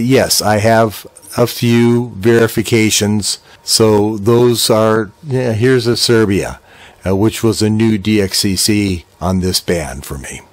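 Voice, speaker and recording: An older American man in his sixties walks listeners through a software tutorial. He explains each step plainly and conversationally, with a medium-pitched voice. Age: older, around 60s. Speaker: video tutorial presenter.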